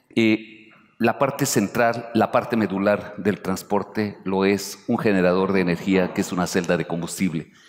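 A man with an Oaxacan accent speaks at a fairly slow pace with hardly any pauses, his fairly low pitch holding fairly even intonation and very even loudness. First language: Zapotec (speaking Spanish). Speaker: research scientist; conference presenter. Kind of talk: conference lecture. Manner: halting, with repeated words. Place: hall. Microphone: headset.

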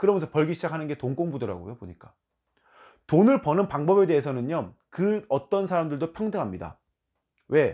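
A man at a fairly high pitch, fairly quick pace and very wide pitch swings. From Geoje, South Gyeongsang, Korea. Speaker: YouTuber, real estate auction investor. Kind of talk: motivational vlog talk. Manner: blunt, emphatic.

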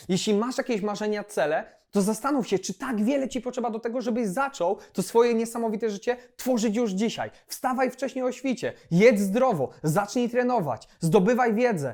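An energetic man's high voice at a moderate pace, with ordinary pitch variation and hardly any pauses. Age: 20s. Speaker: mental coach, video host. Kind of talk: sales pitch; motivational talk to camera.

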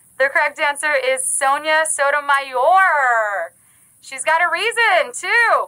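With an American accent, the speaker uses a raised, projected voice in a bright, sharp, animated and bubbly tone. The pace is fairly slow, the intonation lively, and the background quiet. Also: woman. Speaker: game show host. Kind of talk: live trivia game show hosting, scripted banter. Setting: live streamed app game show, studio. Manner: animated, bubbly, playful and quippy. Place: studio.

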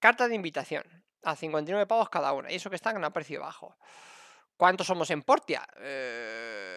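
Speaking high for a man, he sounds animated, with very wide pitch swings, big swings in loudness and a bright, sharp tone, in a dry, close recording with no echo that is very clean over a silent background. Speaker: gaming youtuber. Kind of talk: let's play commentary. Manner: fast.

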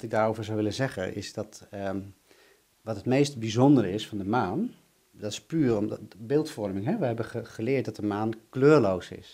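A dark, mellow tone comes through over a quiet background. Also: man, ordinary pitch variation, moderate pace, big swings in loudness. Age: 40s. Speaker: co-host discussing alleged extraterrestrial experiences; interview guest. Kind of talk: casual discussion. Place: studio. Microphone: studio mic.

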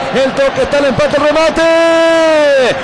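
An extremely high-pitched male voice over crowd noise in the background. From Paraguay. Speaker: radio football commentator. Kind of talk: live radio football commentary.

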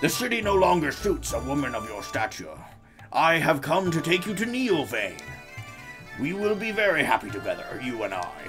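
A man puts on a character voice, pitched high, at a moderate pace. Clear music plays in the background.

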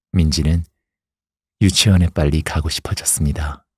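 A man speaks in a very deep, low pitch with a soothing, gentle tone and a somewhat breathy quality, at a fairly slow pace. The recording is very clean with a silent background and a dry, close sound with no echo. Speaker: audiobook narrator. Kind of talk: bedtime story reading aloud (audiobook narration). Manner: soft, slow, soothing and gentle, lulling the listener to sleep.

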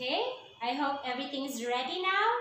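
In a room with audible echo and light background noise, a woman talks at a moderate pace in a high pitch, her tone bright and sharp and her pitch swinging very widely. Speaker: teacher. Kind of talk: classroom teaching. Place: classroom. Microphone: camera far.

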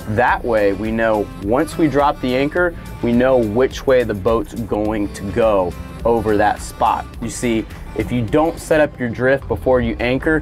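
Faint music sits in the background as a man speaks at a fairly slow pace. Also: ordinary pitch variation. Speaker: fishing guide, host. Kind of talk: tutorial. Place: boat.

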